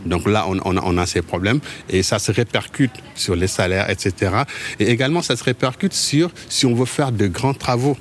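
A low-pitched man from Mauritania talks through interview answers. He is a journalist who halts often and repeats little words while he gathers his thoughts, with faint background noise around him. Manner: halting, with frequent word repetitions.

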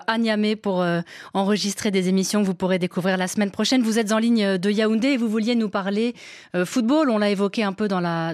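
A woman's voice: medium pitch, no room sound, studio quality. Courteous woman hosting a radio call-in. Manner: measured, courteous, with hesitant fillers. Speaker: radio host. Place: radio studio.

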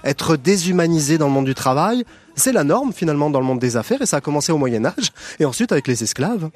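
A man's voice: a little high, sing-song, quick pace, a little mellow. A man hosting an interview in a studio, posing long admiring questions with occasional fillers. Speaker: radio interviewer. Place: recording studio. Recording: dry, close studio sound.

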